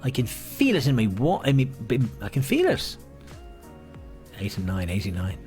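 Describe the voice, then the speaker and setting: A man's voice: mid-range voice, huge pitch swings, normal speed, darkish tone, soft background music. An Irish man hosting as a bingo caller, mixing playful sing-song number calls with casual chat. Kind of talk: bingo calling mixed with casual banter.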